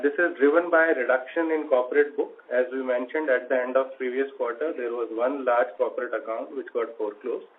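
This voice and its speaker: A man with an Indian accent presents a formal financial report as chief financial officer. His pitch is average for a man. He comes through a narrow phone-like line with faint noise. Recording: noisy phone-like conference line.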